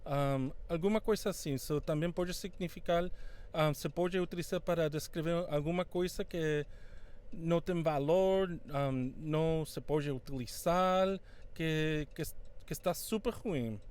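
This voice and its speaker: Teaching in Portuguese, a native English-speaking man runs a bilingual English class. He has a fairly high, smooth voice with a darkish tone, and he stumbles along with fillers as he shifts between the two languages.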